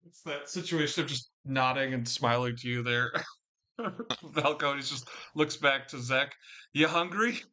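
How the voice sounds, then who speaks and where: A man plays a tabletop role-playing game and chats casually about his moves. His voice sits at a middle pitch. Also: fairly even intonation, unhurried, sharp tone.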